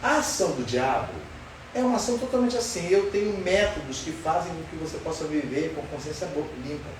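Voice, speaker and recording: A man's voice: fairly high pitch, animated, fairly quick. A man teaches a Sunday school Bible lesson, questioning his class in an emphatic way. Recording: roomy far-off sound with faint noise.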